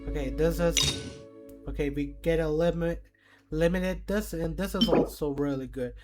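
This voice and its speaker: A woman hosting a gameplay video with casual commentary, halting and often repeating her phrases. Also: low voice. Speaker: gaming video host. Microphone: mic propped on stack of books. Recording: loud music behind the voice.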